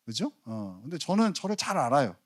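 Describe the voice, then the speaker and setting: A man's voice: mid-range voice, big pitch swings, a little fast. A man in his forties preaching a Sunday sermon as pastor, telling stories with acted quotes and self-mocking humor. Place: church sanctuary.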